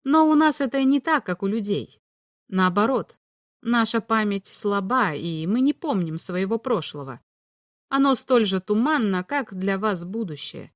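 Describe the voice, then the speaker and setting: A woman reading an audiobook, voicing a calm, all-knowing male alien humanoid a little higher than her own voice, in a patient, explanatory way. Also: unhurried, dry recording, studio quality, close to an everyday voice. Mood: calm explaining.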